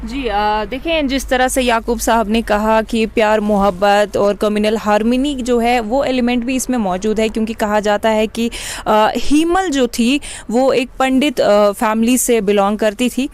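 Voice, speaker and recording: A woman's voice: fairly high pitch, fairly even intonation, measured pace, hardly any pauses, darkish tone. A woman interviewing on location, explaining things conversationally and mixing in English words. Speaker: interviewer, reporter. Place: outdoors on location. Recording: background noise outdoors, passing vehicles.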